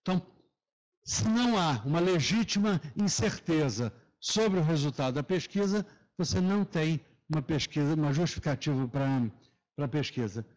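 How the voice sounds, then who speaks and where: Higher-pitched Carioca man with hushing s sounds. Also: moderate pace, poor audio. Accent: Carioca (Rio de Janeiro) Brazilian Portuguese. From Rio de Janeiro, Brazil. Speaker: lecturer, professor. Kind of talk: academic lecture with slides, semi-formal. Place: lecture auditorium.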